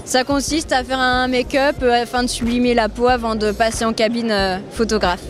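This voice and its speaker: A woman's voice: a little high, flat delivery, moderate pace, soft background music. Giggly young woman makeup artist. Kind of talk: short interview answers. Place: busy indoor exhibition hall.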